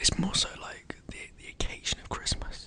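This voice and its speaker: Noticeable background noise around fairly slow whispering. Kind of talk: whisper ramble. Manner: whispered.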